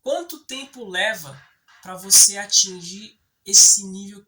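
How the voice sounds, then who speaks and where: A man's voice: high-pitched, slow, bright, forceful tone. A man with a Brazilian Portuguese accent, explaining in a chatty way for an English-learning video and often checking in with the viewer. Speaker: English teaching YouTuber.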